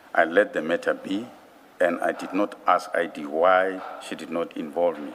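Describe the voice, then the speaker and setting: There is a male speaker. Background noise is clearly noticeable. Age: 60s. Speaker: witness at commission of inquiry. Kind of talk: testimony. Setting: commission hearing room. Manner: formal.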